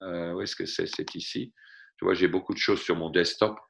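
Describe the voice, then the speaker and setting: A man's voice: sits low, fairly even intonation, moderate pace, creaky, fairly bright tone. A man giving a lesson on a video call, patiently explaining grammar and slipping in short English glosses. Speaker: French tutor. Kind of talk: online tutoring session. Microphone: computer mic on a video call.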